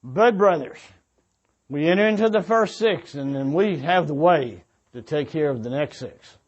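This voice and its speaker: Addressing young adults at a church gathering, a man whose voice is somewhat high preaches informally, earnest, exhorting, and expressive. His progress through each point is halting, full of repetition and rephrasing, and the recording comes across muffled and dull.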